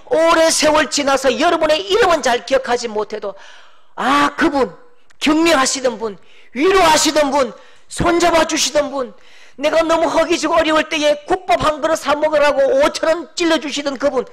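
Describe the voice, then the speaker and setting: A middle-aged pastor preaching a sermon, animated, acting out quoted voices and shouting for emphasis. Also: male voice, very high voice, normal speed.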